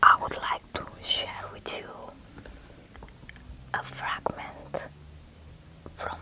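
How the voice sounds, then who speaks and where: Noticeable background noise fills the space. Through it, a woman whispers very slowly. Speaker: independent author. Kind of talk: casual talk to camera. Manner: whispered.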